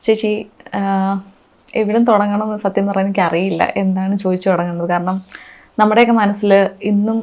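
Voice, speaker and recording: A woman hosting an interview, asking questions gently and prompting her guest with soft affirmations. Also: mid-range voice, steady tone, fairly quick, lo-fi sound. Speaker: host.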